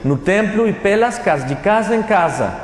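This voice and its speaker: High-voiced pastor preaching in an echoey hall. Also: male voice, expressive, moderate pace. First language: Spanish. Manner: didactic, repeats phrases and asks the listeners questions. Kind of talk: Bible teaching sermon with call-and-response questions. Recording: echoey hall with long reverb, faint noise.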